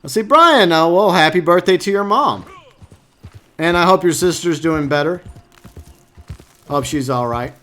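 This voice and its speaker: A man's voice: a little high, expressive, measured pace, pauses often, fairly bright tone. A man from Texas, casually chatting to viewers on a live game stream and reading their comments aloud.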